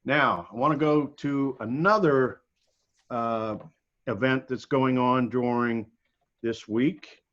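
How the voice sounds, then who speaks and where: An American man giving an informal slide presentation, speaking haltingly with frequent pauses mid-sentence. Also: mid-range voice, a bit bright. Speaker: guest presenter. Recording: dull, lo-fi video call audio.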